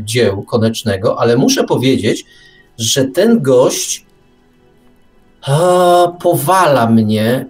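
A man's voice: mid-range voice, a little mellow, far from the mic. A man hosting a live radio talk, musing discursively, repeating and rephrasing himself and posing rhetorical questions. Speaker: radio show host. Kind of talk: casual live talk, reflective monologue.

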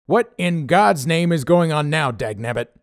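Guy doing a gruff bossy camp leader, gravelly and loud, preachy, dry mic. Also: on the high side, lively intonation, moderate pace, dry recording, voice pushed up. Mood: exasperated. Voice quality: blustering, scolding.

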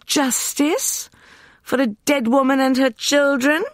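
Narrator doing a high cold young woman, piercing and mocking, very dry close sound. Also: steady tone, takes it slowly, dry recording. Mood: scornful. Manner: light, piercing and scornful.

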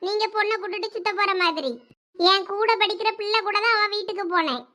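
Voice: very high-pitched, fast, pushed and bright. A woman playing a sulky, tattling first-year college girl in a village comedy skit, with a Thoothukudi Tamil accent. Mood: accusing.

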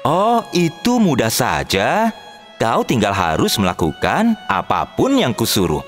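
Lady doing a sneaky young musician guy from a cartoon, voice dropped low, bossy and sly. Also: wildly swooping pitch, measured pace, soft background music, exaggerated voice. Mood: scheming. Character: cunning young male traveling musician, scheming. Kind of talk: cartoon dub storytelling.

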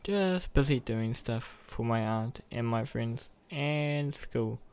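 A man's voice: mid-range voice, animated, slow pace, a little mellow, clean tone. A young man playing an awkward, earnest college student who is secretly a superhero, in a roleplay audio with hesitant delivery. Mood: friendly, casual.

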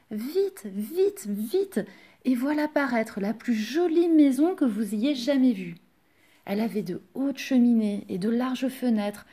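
A woman from a library reading a fairy tale aloud, expressive and speaking to young listeners. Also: fairly high pitch. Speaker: library storyteller.

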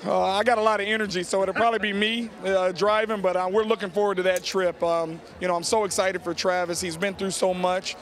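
A man's voice: high-pitched, steady tone, fairly quick, few pauses, fairly bright tone. A middle-aged American man, a basketball coach, answering in a postgame interview on a handheld mic in an arena. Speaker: high school basketball coach. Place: on the court of a large indoor arena. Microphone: handheld reporter microphone held to him.

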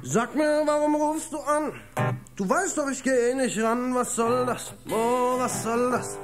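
A woman's voice: high voice, measured pace. A woman singing a playful answering machine greeting over guitar, recorded on cassette tape.

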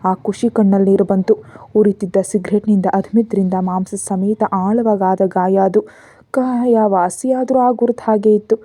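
A woman narrating a scripted story in a steady, gentle reading. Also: mid-range voice, normal speed, dry recording.

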